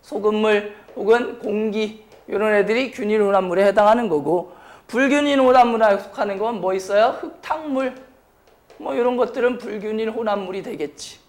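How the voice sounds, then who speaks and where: A man's voice: high voice, fairly quick. A man with a strained, sore throat lecturing as a science teacher, blunt and informal, often putting questions to the class. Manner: question-and-answer delivery, repeatedly prompting students; blunt, informal speech to students. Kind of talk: high school chemistry lecture.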